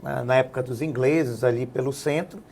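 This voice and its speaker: A man, a businessman and former politician, explaining policy in a measured political interview, often adding "né?". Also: medium pitch, steady tone, gravelly, a little mellow, slight background noise. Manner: measured, explanatory, frequent "né?" tags. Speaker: guest, health businessman and former legislative assembly president.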